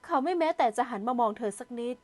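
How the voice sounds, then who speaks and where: Woman reading an audio novel, high voice, steady and measured. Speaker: narrator.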